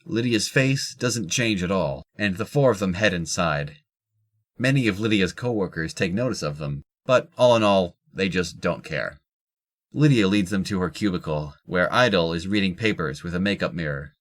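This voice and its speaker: A man's voice: sits low, moderate pace. A man reading scripted narration for an audio drama.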